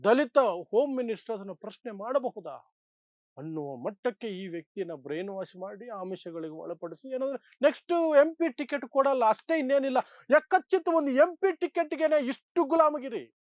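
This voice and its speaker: High-pitched man, emphatic political commentary. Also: animated, normal speed, no room sound. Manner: emphatic, rhetorical repetition in short phrases. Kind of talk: opinionated political news commentary. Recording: dull, dry lo-fi sound.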